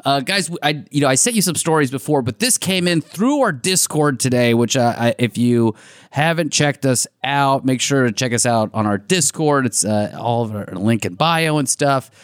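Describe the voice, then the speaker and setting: A man's voice: mid-range voice, normal speed, no room sound, studio quality. A man hosting a podcast, chatting casually and recapping news stories with frequent laughs and restarts. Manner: animated, laughs often, trailing restarts. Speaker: podcast host.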